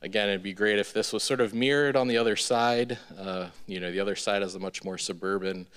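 A man in his thirties giving an informal presentation as a developer, in a halting, hesitant way with many ums. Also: fairly low pitch, fairly bright tone, clear, resonant tone. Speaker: real estate developer presenting a project. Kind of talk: informal public presentation with slides. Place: large indoor meeting room with seated audience. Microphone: podium gooseneck microphone.

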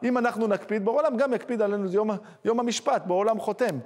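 A man, a rabbi, giving a sermon full of rhetorical questions and lively storytelling. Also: high-pitched, in a large hall.

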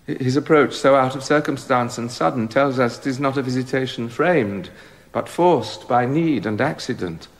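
An actor playing a remorseful king in a radio drama, halting and stammering with emotion. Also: medium pitch, close to an everyday voice. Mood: troubled. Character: remorseful king, haunted by guilt.

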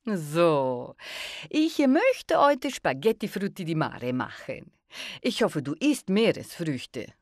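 A woman's voice: lowish voice, very animated, takes it slowly, no room sound, studio quality. An actress playing a kindly, inquisitive mother in a German audio drama. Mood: friendly, chatty. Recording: clear background noise with clicks.

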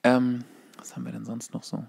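A man's voice: mid-range voice, completely flat delivery, brisk, gravelly, a little mellow, breathy edge. A man co-hosting a comedy podcast, chatting casually with dry, joking delivery. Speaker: podcast co-host.

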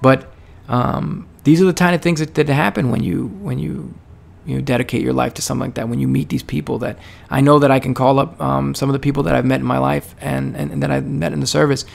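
A man's voice: mid-range voice, fairly even intonation, quick pace, creaky. A man who served in the army, telling stories in a rambling, casual way with many fillers and restarts. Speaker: podcast host; army veteran. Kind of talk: casual storytelling monologue.

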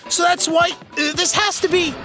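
A man's voice: very high-pitched, steady tone, normal speed. A man voicing an earnest teenage boy in a video game, talking in a pleading, urgent way. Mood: insistent. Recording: game audio over music.

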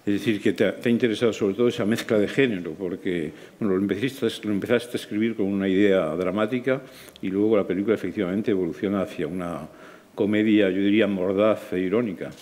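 An older man, interviewing a director with measured, leading questions in a small festival room. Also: on the low side, a little mellow.

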